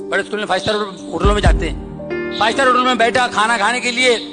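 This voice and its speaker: A man's voice: high-pitched, quick pace, in a large hall, over music. A man telling a personal story about hard times. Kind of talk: personal anecdote.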